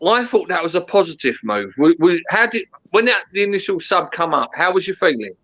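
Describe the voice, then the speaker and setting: A man's voice: sits high, sing-song, brisk, fairly bright tone, lo-fi sound. An English man hosting a casual football fan discussion, talking in a blunt, sweary way. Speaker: host of a football fan reaction show. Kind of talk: casual post-match discussion.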